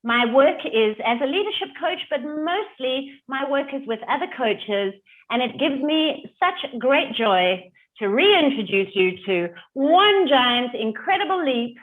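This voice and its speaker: A woman's voice: sits high, very animated, measured pace, rough recording. A woman hosting an online improv show in an encouraging, enthusiastic way over a video call. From South Africa. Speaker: show host.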